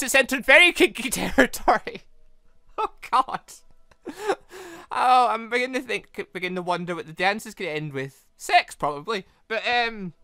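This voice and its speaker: A gaming host giving casual, rambling commentary in an excitable, conversational way. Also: mid-range voice, smooth, no room sound, clean studio sound.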